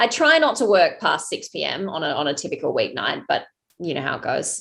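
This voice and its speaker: At a moderate pace, a woman talks in an Australian accent. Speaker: entrepreneur, former magazine editor. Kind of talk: interview.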